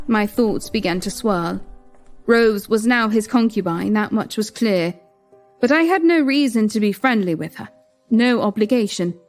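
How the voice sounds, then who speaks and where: A young woman narrating in first person as a queen, measured and reflective. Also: a little high. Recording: music bed behind.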